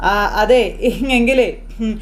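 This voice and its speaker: A woman voicing a sharp young wife who speaks in a blunt, matter-of-fact way. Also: on the high side, fairly even intonation, slow pace. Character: Sruthi, a sharp young wife who sees through tricks.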